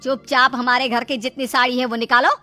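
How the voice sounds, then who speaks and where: A woman's voice: high voice, flat delivery, brisk, sharp tone, faint music behind. Woman playing a scolding stern mother-in-law. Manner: taunting, scolding. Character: sharp-tongued middle-aged mother-in-law, stern and scolding. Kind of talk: melodramatic family skit.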